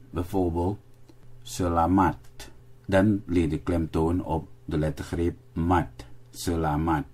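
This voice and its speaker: Male teacher, low voice, unhurried, spells out words for students to repeat. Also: warm tone, husky. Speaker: language teacher. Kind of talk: slow, deliberate language lesson narration.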